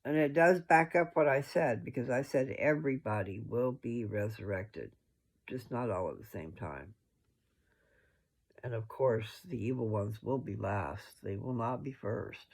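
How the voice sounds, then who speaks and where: A man with a noticeably gravelly, fry-laden voice at an average pitch. He sounds sleepy as he hosts a casual scripture chat. His delivery is homespun and meandering, and he backs up to correct himself as he goes. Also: measured pace. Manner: folksy, rambling, self-correcting. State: sleepy, yawning. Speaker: host reading and discussing scripture. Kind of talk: casual rambling religious commentary to followers.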